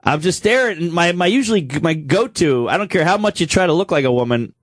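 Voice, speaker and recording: Male comedian podcast host with a head cold, slightly high voice, very lively delivery, dry close-mic sound. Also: a little fast, no room sound. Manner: animated, acts out both sides of encounters. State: congested from a cold. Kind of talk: casual comedic storytelling.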